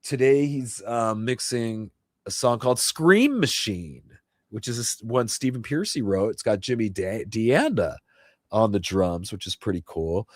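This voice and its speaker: A New Jersey man in his fifties, a guitarist who hosts a livestream, chats and rambles casually with his viewers, chuckling often. His lowish voice is animated but unhurried, and the studio-quality recording has no room sound.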